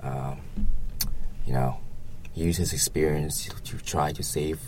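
Very deep, gravelly young Vietnamese man. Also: steady tone, a little mellow, a little hiss or hum. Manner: halting, rambling with frequent filler phrases. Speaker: interviewee. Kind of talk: casual interview answers.

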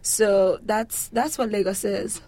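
Young woman from Nigeria, even-toned. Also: mid-range voice, takes it slowly. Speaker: interview guest. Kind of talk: conversational interview, explaining.

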